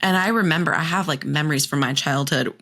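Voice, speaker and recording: A woman's voice: low voice, quick pace, fairly bright tone. A woman hosting a podcast in casual chat, frank and playful and swearing freely. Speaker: podcast host.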